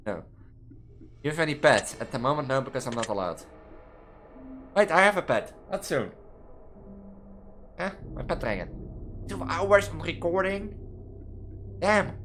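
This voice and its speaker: Reading out quiz questions in her student apartment, a Dutch-accented gaming video creator, a young adult trans woman, answers with a rumbling low voice. She rambles haltingly and often restarts words partway through a sentence.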